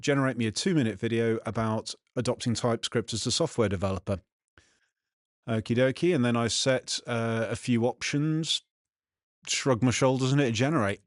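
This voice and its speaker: A man's voice: mid-range voice, no echo, clean studio sound. Man with a nasal Black Country accent. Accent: Black Country English. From England, West Midlands. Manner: sardonic, irritated grumbling. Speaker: vlog host, software developer. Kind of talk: casual vlog commentary.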